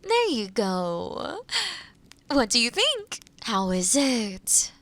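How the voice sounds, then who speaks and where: A gentle, teasing witch of the woods, acted by a woman in an intimate fantasy audio drama. She takes her time, pausing and humming thoughtfully. Her soft-spoken delivery rises and falls in an animated, welcoming way. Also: a little high, heavily acted. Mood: warm, hospitable. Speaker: audio roleplay performer. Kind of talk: intimate scripted audio roleplay.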